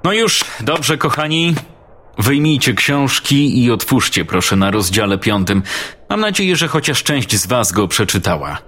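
A man voicing a patient, gentle female schoolteacher in a spooky story reading, speaking in a soft, coaxing tone. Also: mid-range voice, sing-song, measured pace, voice pushed up.

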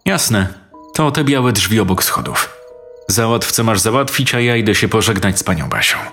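A man's voice: fairly low pitch, expressive, normal speed, vocal fry, faint music behind. A man voicing a panicked, swearing young man of twenty-two in a horror story. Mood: calm. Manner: frantic, shouting curses.

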